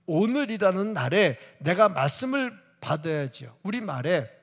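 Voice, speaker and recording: A man's voice: high-pitched, big pitch swings, moderate pace. A man preaching a sermon as pastor, emphatic, firing rhetorical questions and dropping to a whisper when he quotes people. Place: church sanctuary. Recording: church hall reverb.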